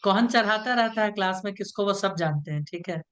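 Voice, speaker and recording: A man's voice: high voice, brisk, fairly bright tone. Playful, teasing male online teacher. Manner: playful, teasing, keeps asking "right?". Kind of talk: online class lecture.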